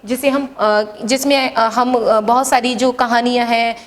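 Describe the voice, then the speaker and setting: A woman's voice: a little high, fairly even intonation, unhurried. A woman teaching a lesson to students, patiently repeating each point and posing questions that she answers herself. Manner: asks rhetorical questions and answers them herself.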